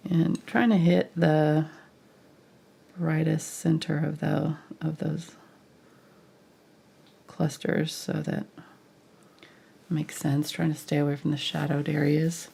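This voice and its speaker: A woman's voice: level tone, takes it slowly, pauses often, mellow. A woman with a stuffed-up nose from a cold and audible breathing, giving casual live painting instruction in a murmured way that trails off. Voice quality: congested, stuffed nose, low husky voice. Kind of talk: casual live tutorial commentary.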